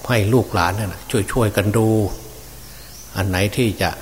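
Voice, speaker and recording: Unhurried monk in an echoing hall. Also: male voice, on the low side. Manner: folksy, unhurried, with many fillers. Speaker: monk preaching. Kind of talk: Dhamma sermon. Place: open temple hall. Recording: distant reverberant hall with faint noise.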